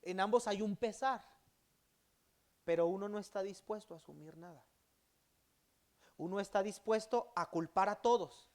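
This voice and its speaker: Guy pastor preaching in church, gets loud then drops real quiet, acts out little dialogues. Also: moderate pace, pauses often. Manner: dramatic, swings from loud emphatic bursts to quiet low endings; acts out quoted speech in dialogue. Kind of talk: sermon.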